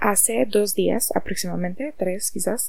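Fairly slow speech from a woman at medium pitch, with ordinary pitch variation and audible room echo. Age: 20s. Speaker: podcast host. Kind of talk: personal testimony monologue.

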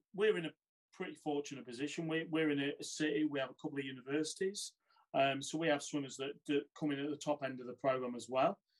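Speaking with an East Midlands accent, a man with a fairly high pitch and ordinary pitch variation comes through in a dry, close sound with no echo. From Lincolnshire, England. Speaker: swimming club director and coach. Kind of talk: interview.

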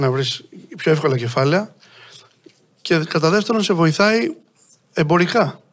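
A fairly high-pitched man at a fairly slow pace, with ordinary pitch variation. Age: 40s. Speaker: entrepreneur and investor. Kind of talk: interview. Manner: halting.

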